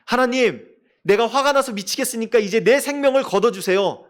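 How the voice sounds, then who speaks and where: A man's voice: extremely high pitch, moderate pace, voice pushed up. A man voicing an angry, sulking male prophet who complains to God that he would rather die. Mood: exasperated. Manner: exasperated, raised complaining voice.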